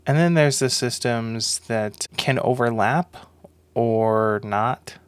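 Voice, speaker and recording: A man's voice: mid-range voice, takes it slowly, clear, resonant tone, dry recording. A young man with a sore throat giving a dry, sarcastic commentary monologue, swearing now and then. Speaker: video essay host.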